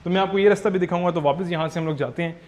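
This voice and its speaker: A man's voice: sits high, rapid-fire. A man with a Pakistani Urdu accent hosting a walkthrough house tour outdoors. He chats directly to viewers and drops English phrases into his talk. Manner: chatty, code-switching into English, addresses viewers directly.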